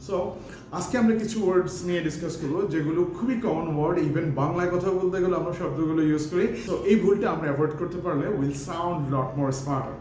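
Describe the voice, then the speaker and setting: A man's voice: fairly high pitch, quick pace, a little mellow, a little hiss or hum. Bangladeshi man teaching pronunciation, echoey room. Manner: mixes English into talk, many fillers, stretches words to model sounds. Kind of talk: casual pronunciation lesson.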